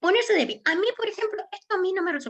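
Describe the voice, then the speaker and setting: This is a woman speaking. She goes at a very fast pace. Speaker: workshop presenter. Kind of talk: lecture.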